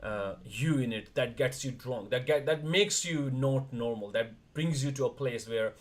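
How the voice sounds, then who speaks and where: A young man from India hosts a casual livestream chat. His voice sits at an ordinary middle pitch. He rambles in fast bursts and often restarts his sentences. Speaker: streamer, wrestler co-host.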